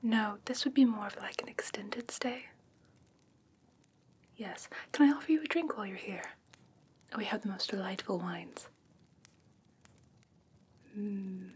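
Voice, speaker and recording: Slow, whispering fae creature, played by a woman. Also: medium pitch. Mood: enticing, coaxing. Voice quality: breathy whisper. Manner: soothing, halting, doting personal address. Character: whimsical fae woman, coaxing, condescendingly sweet, seeking a human pet. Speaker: ASMR roleplay performer. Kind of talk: whispered ASMR fantasy roleplay.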